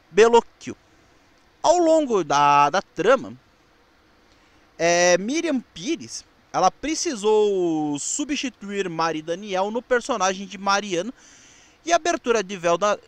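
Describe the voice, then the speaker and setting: A Brazilian man presenting TV history, narrating from notes with casual asides in a halting way, rephrasing as he goes. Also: sits high, no room sound.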